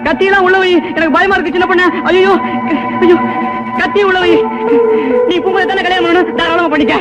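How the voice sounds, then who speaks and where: A timid village idler who jokes his way through everything in a very high, quick voice. His self-mocking patter comes through a dull, muffled film soundtrack. Loud music plays underneath. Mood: panicked. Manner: wry, self-mocking banter. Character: timid idle village man, joking and self-pitying. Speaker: comic lead actor. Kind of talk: 1990s film dialogue.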